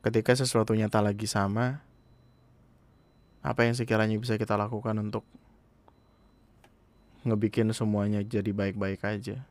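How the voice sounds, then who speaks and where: A man's voice: lowish voice, level tone, moderate pace, long pauses, no room sound. A young man, earnestly commenting in a casual monologue, speaking straight to his listeners. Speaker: podcast host.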